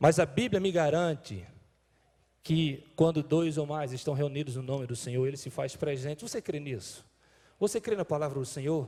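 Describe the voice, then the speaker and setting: A man with a Paraíba accent speaks at a moderate pace. His tone is dark and mellow, with a fairly high pitch. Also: lively intonation. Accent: Northeastern Brazilian (Paraíba), noticeable. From Paraíba, Northeast Brazil (João Pessoa). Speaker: youth pastor, guest preacher. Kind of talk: sermon. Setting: church service.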